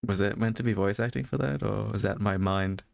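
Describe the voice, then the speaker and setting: A man's voice: fairly low pitch, brisk, gravelly, a little mellow, dry recording, studio quality. A man doing casual, reactive let's play commentary, talking back to the game in a wry, conversational way. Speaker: let's player, streamer.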